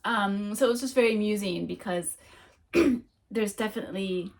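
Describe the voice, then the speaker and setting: A woman's voice: medium pitch, moderate pace, darkish tone. A woman who is a French speaker, chatting casually through a monthly reading wrap-up, rambling with frequent ums and restarts. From United States. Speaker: book vlogger.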